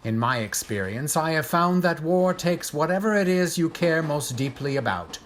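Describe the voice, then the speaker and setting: An actor playing a haughty, private, war-wounded gentleman in an audio drama, speaking in pompous, formal, precise phrases. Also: a little high, animated, normal speed, close to an everyday voice. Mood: grave, philosophical.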